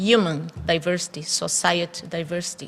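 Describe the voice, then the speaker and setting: Her intonation is fairly even. The woman speaks at a fairly slow pace. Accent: Portuguese. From Brazil. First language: Portuguese. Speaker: government official. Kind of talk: conference speech.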